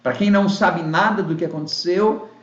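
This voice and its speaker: A man's voice: high-pitched, normal speed. A man giving a casual spoken documentary review, rambling with many fillers and restarts. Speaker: YouTube film reviewer. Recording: echoey room, dull lo-fi sound.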